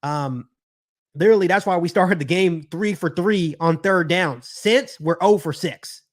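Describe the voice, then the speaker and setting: High-pitched American man calling football live. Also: a little slow. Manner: repeats phrases, conversational, talks back to chat. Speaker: sports podcast host doing live play-by-play. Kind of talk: live stream football commentary and fan reaction.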